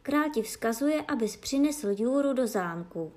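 A woman voicing a hasty, commanding royal courier in a storybook reading, calling loud and urgent. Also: sits high, lively intonation.

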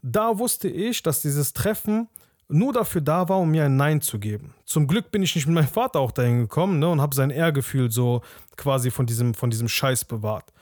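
A young man tells a personal story as a podcast host, lively and casual, with a slightly high-set voice. The recording is dry and close, with no room echo at all. He slips into quiet, hushed asides and tags his sentences with quick "ne?"s. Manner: animated, acts out the other people's lines.

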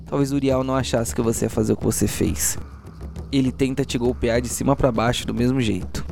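A man's voice: medium pitch, steady tone, fairly quick, creaky, a little mellow, a little hiss or hum. A man with a Brazilian accent improvising narration as game master, describing action step by step and checking back with players.

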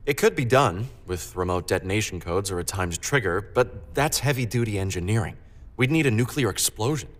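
Man playing a lowish-voiced, sober fleet officer. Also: lively intonation, a little fast, lightly acted. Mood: cautious. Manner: matter-of-fact. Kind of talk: science fiction audio drama acting.

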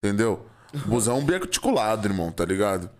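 A man's voice: lowish voice, big pitch swings, fairly quick. A man with a São Paulo accent in casual chat, telling heated, slangy stories full of "mano" and "irmão". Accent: São Paulo Portuguese.

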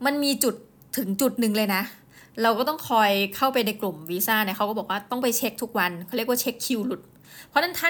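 Chatty woman telling a travel story. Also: medium pitch. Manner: chatty, animated, often addresses listeners directly; quick asides and exclamations. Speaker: host. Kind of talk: casual personal storytelling.

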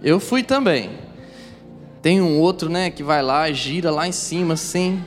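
A man's voice: a little high, a little slow. A man preaches to his congregation, acting out scenes from his own story. His voice rings with a long reverb through a church hall, while music plays faintly underneath. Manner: animated, acts out scenes and voices; talks directly to the congregation. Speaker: pastor. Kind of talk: sermon with storytelling.

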